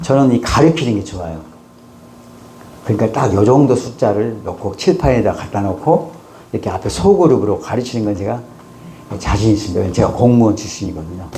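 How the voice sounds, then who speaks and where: Speaking at a moderate pace with a medium pitch, a man makes very wide pitch swings amid audible room echo and noticeable background noise. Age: 60s. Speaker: pastor. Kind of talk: sermon.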